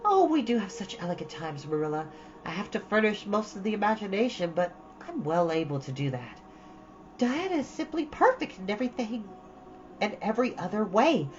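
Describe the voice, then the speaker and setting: A woman's voice: medium pitch, very animated, fairly quick, natural voice. A woman voicing a dreamy, romantic, chattering young girl in a storybook, gushing with dramatic earnestness. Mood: dreamy, excited. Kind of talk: storybook read-aloud. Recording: dull, lo-fi, faint background noise.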